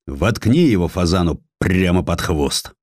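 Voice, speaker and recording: A man voicing a blunt, wry old Russian army general in an audiobook, gruff and sly. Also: low voice, animated, unhurried, a little mellow, no room sound, studio quality. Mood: mocking command.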